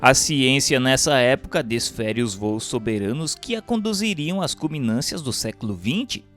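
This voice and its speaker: A man's voice: medium pitch, animated, normal speed, a bit bright. A man reads a scripted book narration in a solemn, formal manner with emphatic phrasing. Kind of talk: scripted audiobook-style narration of a book chapter. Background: music under the voice.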